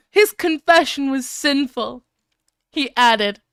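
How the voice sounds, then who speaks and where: Giggly high-voiced woman reading fan fiction. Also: big pitch swings, slow pace, a bit bright, no room sound, clean studio sound. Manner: giggly, often breaking up while reading; crude, swearing banter. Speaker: stream co-host reading fan fiction aloud. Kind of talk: casual livestream read-aloud with commentary.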